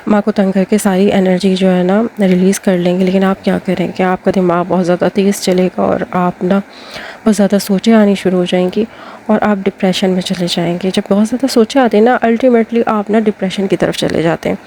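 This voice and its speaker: A woman's voice: medium pitch, fairly even intonation, warm tone, a little hiss or hum. A woman with a Pakistani Urdu accent giving casual advice to women, chatty and full of fillers, speaking to her viewers as sisters. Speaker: lifestyle advice host.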